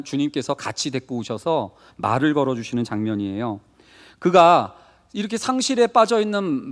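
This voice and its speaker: A male pastor preaching a Wednesday sermon in a conversational way, asking the congregation questions and acting out short quoted lines. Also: a little high. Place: church sanctuary. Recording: long reverb of a church hall.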